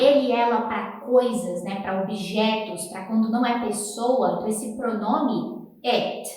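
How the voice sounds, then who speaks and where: A woman teaching English pronunciation, explaining and then slowly repeating words for the viewer to copy. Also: fairly high pitch. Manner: encouraging, talks straight to the viewer. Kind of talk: pronunciation lesson with drills. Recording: echoey room, voice from a distance.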